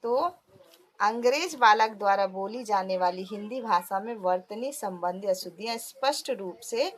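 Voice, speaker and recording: A woman's voice: medium pitch, moderate pace, a little hiss or hum. A woman teacher explaining a textbook lesson patiently, often asking the listener questions as she goes.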